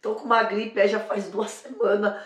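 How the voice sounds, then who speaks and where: A hoarse Brazilian woman in her forties, a beauty vlogger and sales consultant with a São Paulo accent, chats to camera in a casual product review, joking that her cold has worn her voice down and repeatedly saying "gente." Her pitch is medium, her delivery flat and her pace moderate. She's in an echoey indoor room with a brick wall.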